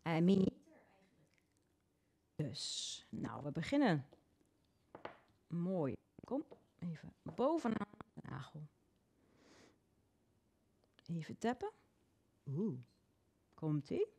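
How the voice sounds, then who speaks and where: A woman's voice: on the low side, sing-song, drawn-out words, vocal fry, pauses often, warm tone, breathy edge. A woman nail technician demonstrating a nail design in a live online workshop, cheerful as she talks through each step. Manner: cheerful, narrates her own hand work step by step.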